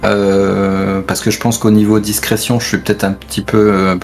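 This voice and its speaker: A man's voice: on the low side, little pitch movement, moderate pace, vocal fry, a little mellow. A man playing a tabletop role-playing game, discussing it casually in a slightly hesitant, questioning way. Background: background music.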